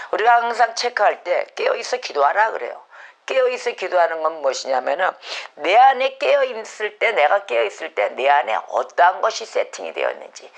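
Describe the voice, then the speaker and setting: A woman's voice: mid-range voice, vocal fry, fairly bright tone. A middle-aged woman pastor preaching a sermon, acting out prayers in a pleading voice.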